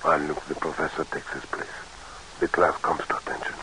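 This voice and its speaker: A grumbling, pessimistic Frenchman, with an extremely deep, low voice. Old radio sound with a faint hiss behind it. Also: steady tone, slow pace, fairly bright tone, rough recording. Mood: gloomy. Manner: gloomy, grumbling.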